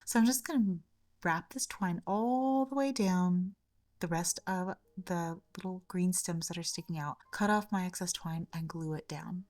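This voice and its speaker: A woman hosting a craft tutorial, talking through each step in a chatty way, her voice slightly raspy and hoarse from a cold. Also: fairly low pitch, unhurried, darkish tone, dry recording. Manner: chatty, step-by-step, frequent small repeats. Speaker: craft channel host. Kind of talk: casual craft tutorial narration.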